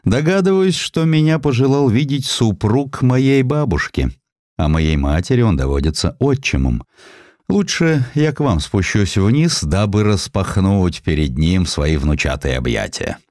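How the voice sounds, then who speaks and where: A man's voice: on the low side, very animated, measured pace, darkish tone, no echo, studio quality, voice pushed up. A man voicing an unruffled, ironic aristocratic ambassador in a historical audiobook. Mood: wry, unruffled.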